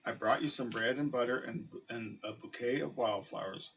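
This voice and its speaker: A man's voice: medium pitch, moderate pace, a bit bright, distant mic, muffled recording, slight background noise, close to an everyday voice. A man voicing a cheerful, polite little girl in a red hood for a read-aloud story.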